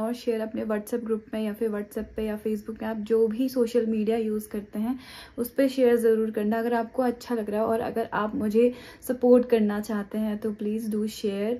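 Chatty young woman vlogging on a phone. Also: fairly high pitch. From Uttarakhand, India. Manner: chatty, loud outdoors, soft and subdued at home. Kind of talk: casual daily vlog. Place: streets, office and home, in and out of doors.

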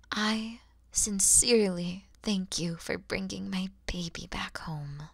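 Centuries-old dragon mother played by a woman for ASMR roleplay: proud but kind, unhurried, very expressive pitch, breathy touches. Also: no room sound, studio quality, full character voice. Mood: grateful, soft. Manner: breathy, often dropping into whispers, theatrical pauses.

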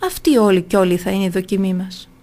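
A woman's voice: medium pitch, warm tone, close to an everyday voice. A woman putting on a cunning male tyrant in a storybook reading. He commands curtly and mocks his victim with cold cruelty. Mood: commanding. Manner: curt, commanding, mocking.

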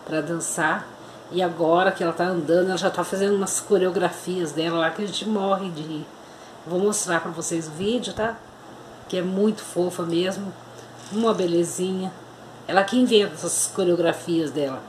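With a lowish voice and a moderate pace, a grandmother in her fifties with a Brazilian accent vlogs casually from her kitchen and living room, calling to her viewers with fond diminutives. The phone camera is held at arm's length, and the echoey room has slight background noise.

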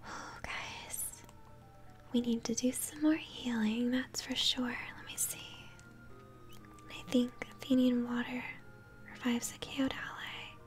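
A young woman whispering gently as she hosts an ASMR let's-play, commenting on a game. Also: a little high, fairly even intonation, measured pace, faint music behind. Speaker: host, gamer. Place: small room at home, indoors.

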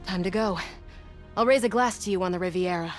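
A woman's voice: mid-range voice, a little fast, soft background music, natural voice. A woman playing sly Black Cat, cool and teasing. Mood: smug, teasing. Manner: teasing, cool, self-assured. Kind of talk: cinematic game voice acting.

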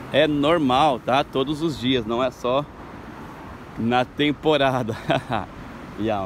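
A man working as a tour guide, chatting upbeat and casual as he films a walk along a beach promenade on his phone. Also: mid-range voice. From Brazil. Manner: chatty, upbeat, tags phrases with questions. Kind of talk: casual walking vlog. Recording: outdoor street and beach noise.

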